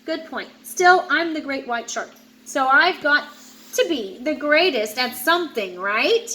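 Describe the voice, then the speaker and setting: Woman playing a boastful, high-pitched great white shark. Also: expressive, unhurried, pushed and bright, full character voice. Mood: undaunted. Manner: boastful, exclamatory storybook delivery. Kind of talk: children's picture book read-aloud.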